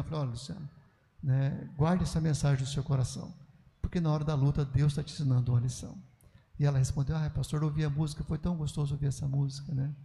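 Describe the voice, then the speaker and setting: Older Brazilian pastor teaching, casual and chatty, slightly high voice. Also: male voice, mellow, long reverb tail. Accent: Brazilian Portuguese. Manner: conversational, folksy asides with frequent "né?". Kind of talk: church class lecture.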